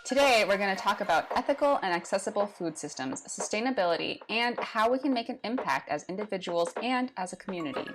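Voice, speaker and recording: A woman co-hosts a podcast, presenting in a friendly, conversational way. Her voice is mid-pitched, and clear music runs behind her words. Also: lively intonation, quick pace, few pauses. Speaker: podcast co-host, health scientist. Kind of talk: podcast hosting.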